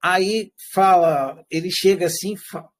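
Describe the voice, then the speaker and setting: A high-pitched man leads a live class. He is animated and asks rhetorical questions that he answers himself. He also acts out everyday lines in quotes. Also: slow pace. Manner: animated, switches into acted quotes of everyday speech. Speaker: teacher.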